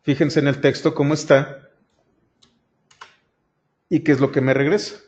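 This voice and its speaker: Man teaching code, slightly high, muffled. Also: fairly even intonation, unhurried, a little mellow. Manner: explains step by step, addresses students directly. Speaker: programming instructor. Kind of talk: screen-recorded coding lesson. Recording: dull lo-fi sound.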